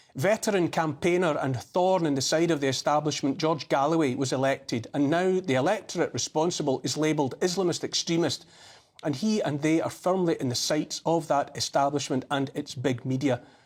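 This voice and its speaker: A man speaks at a moderate pace. His pitch is fairly high, with ordinary pitch variation. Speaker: TV presenter. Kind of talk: TV opinion monologue. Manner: impassioned, emphatic.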